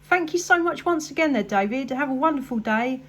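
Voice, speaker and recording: A woman's voice: high voice, lively intonation, a little fast, fairly bright tone. An English woman chatting casually as a CB radio operator, upbeat and appreciative in manner. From England. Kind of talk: casual radio contact chat.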